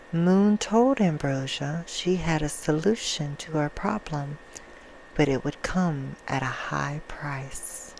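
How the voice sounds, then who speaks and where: A woman voicing a soothing yet menacing female vampire in an ASMR roleplay, telling a bedtime story in a hushed manner that drifts into whispers. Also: low voice, heavily acted, rough recording. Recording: clear background noise.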